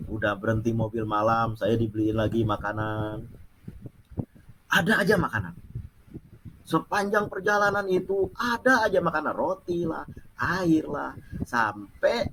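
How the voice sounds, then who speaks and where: Male storyteller, chatty and animated, very lively pitch, noisy recording. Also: unhurried, long pauses. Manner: animated, chatty, laughs while telling. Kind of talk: casual personal storytelling.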